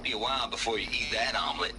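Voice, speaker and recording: A man's voice: mid-range voice, very fast, background noise, lightly acted. An actor playing a crude, cynical man who talks in a drawling, sardonic folksy way.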